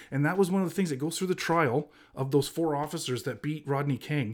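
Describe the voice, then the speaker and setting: A man speaks in an ordinary speaking voice with a Canadian accent, fairly high in pitch and with lively intonation. The recording is very clean, with a silent background. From southwestern Ontario, Canada. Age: 40s. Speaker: podcast guest. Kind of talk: casual chat.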